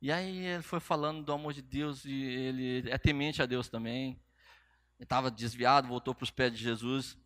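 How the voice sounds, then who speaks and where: Bright-voiced man preaching a testimony. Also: medium pitch, moderate pace, no room sound. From Brazil. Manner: animated storytelling with quoted dialogue. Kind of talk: sermon testimony.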